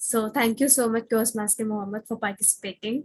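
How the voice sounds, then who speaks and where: Somewhat breathy and fairly high, a woman's voice moves at a moderate speed. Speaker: table topics master. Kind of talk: club meeting hosting. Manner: sweet.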